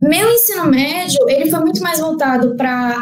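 A woman's high voice carries lively intonation while she keeps to a moderate pace. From Portugal, then Brazil from about age 12. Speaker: medical school entrant, top-ranked exam candidate. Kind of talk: interview.

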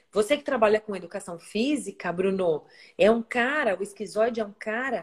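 A woman speaks in an unremarkable speaking voice with ordinary pitch variation. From Brazil, São Paulo city. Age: 40s. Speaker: body analysis specialist. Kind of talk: casual interview on live stream.

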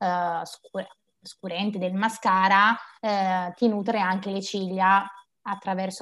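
In a very clean recording with a silent background, a woman speaks in a monotone, flat medium pitch at a fairly slow pace. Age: 20s. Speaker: university student. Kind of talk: casual interview.

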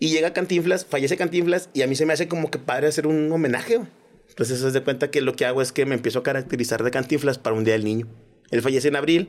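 Very fast talk from a man at a fairly high pitch, with very even loudness. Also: ordinary pitch variation. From Parral, Chihuahua, northern Mexico. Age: 40s. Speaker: comedian. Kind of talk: casual chat.

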